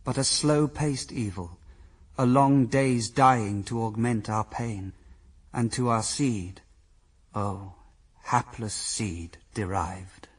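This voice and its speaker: An actor playing an anguished but reasoning husband, speaking formal verse gravely in a classical radio drama. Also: male voice, on the low side, slow pace, distant mic. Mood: tender sorrow. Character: Adam, the first man, anguished yet reasoning husband.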